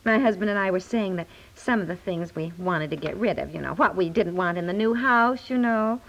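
A woman's voice: on the low side, brisk, highs cut off, natural voice. A woman playing a chatty, practical housewife in a naturalistic 1950s radio comedy, with hesitant phrasing and little laughs. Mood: friendly, polite.

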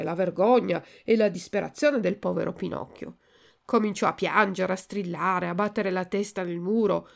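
A woman narrating a children's storybook in a measured, expressive way. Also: mid-range voice, gravelly. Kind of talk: storybook reading.

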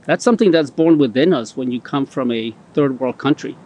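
A man's voice: mid-range voice, expressive, a little fast, dark tone. A middle-aged man from Colombia speaking earnestly in a news interview, with occasional restarts. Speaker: interviewee, company representative. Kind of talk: interview remarks.

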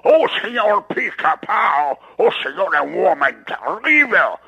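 A man's voice: high-pitched, sing-song, a little slow, creaky, sharp tone, husky, highs cut off, voice pushed up, exaggerated voice. A man voicing a whining, pleading cartoon walrus, wounded and tearful, with a put-on accent. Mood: tearful indignation.

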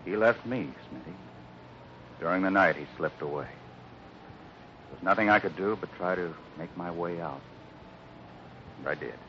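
An actor playing a grave, kindly Western ranch boss, speaking slowly and solemnly in 1950s radio drama style. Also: male voice, low-pitched. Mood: somber. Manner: slow, deliberate, solemn. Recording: muffled, noisy old radio recording.

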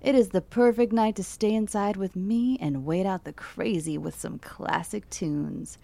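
A woman playing a late-night radio DJ with a gravelly voice, chatting in folksy on-air patter. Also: mid-range voice, unhurried, warm tone, no room sound.

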